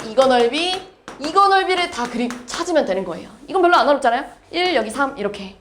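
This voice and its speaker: A woman math teacher lectures a class in a lively way and keeps checking that her students follow. Her voice sits high and swings up and down a lot. The sound is roomy, with faint noise in the background. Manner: lively, checks understanding with quick questions. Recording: echoey classroom.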